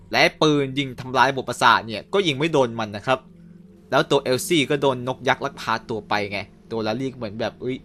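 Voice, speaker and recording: A young man casually recapping and reviewing a cartoon episode, chatty with quick asides. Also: mid-range voice, bright, forceful tone.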